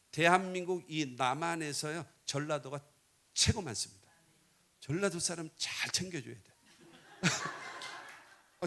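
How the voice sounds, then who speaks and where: High-voiced folksy Korean pastor preaching. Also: male voice. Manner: folksy, joking, swings between loud and quiet. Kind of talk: revival sermon.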